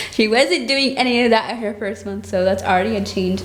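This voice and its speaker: A woman talks at a fairly quick pace in a medium pitch with ordinary pitch variation, with audible room echo and noticeable background noise in the recording. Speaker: vlogger, new mother. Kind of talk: casual vlog update.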